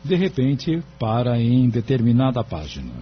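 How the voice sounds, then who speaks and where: A man's voice: mid-range voice, big pitch swings, moderate pace, a little hiss or hum. Man narrating an audiobook, muffled.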